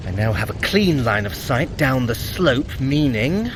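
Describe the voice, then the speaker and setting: An actor playing a vain, touchy trickster god in an audio drama, with a pompous, sarcastic, theatrical way of talking. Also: male voice, mid-range voice, sing-song, measured pace, background noise. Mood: smug. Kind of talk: scripted audio drama for a fitness app.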